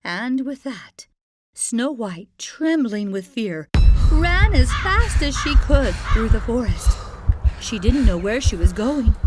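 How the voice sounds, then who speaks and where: A woman narrating a children's fairy tale as an expressive, playful storyteller. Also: a little high, very noisy.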